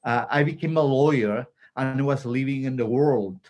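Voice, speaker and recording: A Peruvian man with a Spanish accent, a missionary guest, answering in short plain sentences with pauses. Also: mid-range voice, darkish tone, dull audio. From Peru. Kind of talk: interview answers.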